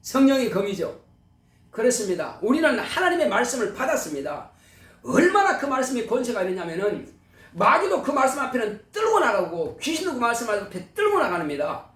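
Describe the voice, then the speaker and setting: Male pastor, emphatic sermon delivery, high animated voice, recorded far off in a roomy sanctuary. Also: a little fast. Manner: emphatic preaching, rhetorical questions to the congregation. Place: church sanctuary.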